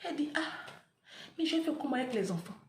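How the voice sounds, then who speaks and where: High-voiced woman telling an emotional story. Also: expressive, a little fast, echoey room, a little hiss or hum. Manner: dramatic retelling, acts out dialogue. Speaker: vlogger.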